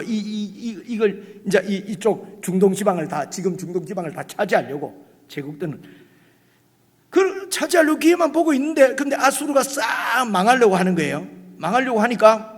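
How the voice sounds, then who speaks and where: A male pastor preaches in a casual, conversational way, full of fillers and restarts. His voice sits high and swings widely, with a slightly husky edge. The long reverb of a church hall trails behind him. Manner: animated, many fillers and restarts, rising to near shouts. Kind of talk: conversational sermon. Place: church sanctuary.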